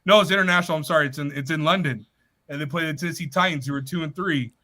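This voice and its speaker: This man hosts a casual sports chat on an online call, keeping the picks moving. His voice sits a little high and rings bright. He teases his friends and corrects himself as he goes. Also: rapid-fire. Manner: upbeat, teasing, corrects himself. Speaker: host running weekly picks.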